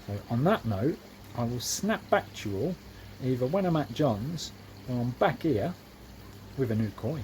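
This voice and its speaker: A man's voice: mid-range voice, expressive, moderate pace, darkish tone, slight background noise. A man vlogging casually in his back garden by a pond, chatty and homely, with plenty of fillers. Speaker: koi keeper vlogger. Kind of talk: casual vlog narration. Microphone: camera mic, moving between handheld and tripod.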